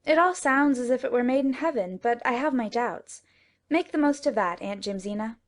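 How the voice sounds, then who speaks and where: Lady doing a cool frank young woman, calm and dry, bit high. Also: a little fast, natural voice.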